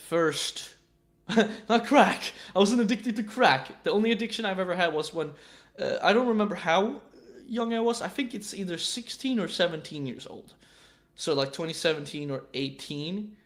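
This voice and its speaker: A man's voice: a little high, a bit bright. Rambling, cursing young man on a live stream. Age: 20s. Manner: rambling and profane, with frequent stammered restarts. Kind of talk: casual live-stream chat.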